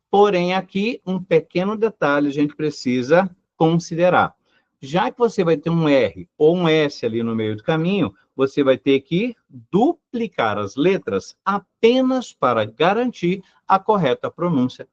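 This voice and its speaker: Lively high-voiced teacher. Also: male voice, no room sound. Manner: emphatic and repetitive, full of rhetorical questions. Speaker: Portuguese grammar teacher. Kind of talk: live online grammar lesson. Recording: dry, slightly dull recording.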